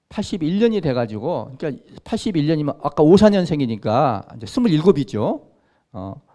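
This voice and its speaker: A man's voice: medium pitch, dark tone. A man in his sixties, a priest, giving an informal history lecture and chatting with his audience with questions and asides. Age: 60s. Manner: conversational, asks the audience questions. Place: lecture room.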